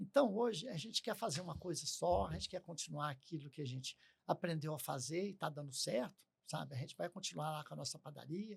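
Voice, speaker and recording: A man talks at a fairly quick pace. His intonation is lively, with vocal fry. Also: fairly high pitch for a man. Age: 70s. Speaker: business owner. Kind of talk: interview conversation. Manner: animated, repetitive.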